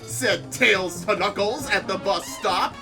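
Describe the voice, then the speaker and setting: A woman's voice: mid-range voice, slow, music in the background. A woman giving a theatrical comedic reading of fan fiction as narrator, with casual banter.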